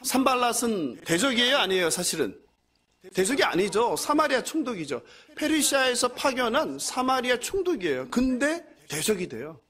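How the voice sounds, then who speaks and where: A man's voice: very high voice, big pitch swings, normal speed, a bit bright. A male pastor preaching a sermon, asking the congregation questions and answering them himself, and sometimes acting out the mocking voices of the enemies in the passage.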